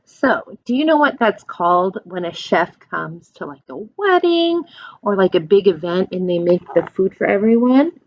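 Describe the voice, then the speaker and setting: A woman doing a children's read-aloud as a teacher, explaining things in simple questions and animated, encouraging asides. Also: mid-range voice, moderate pace, highs cut off.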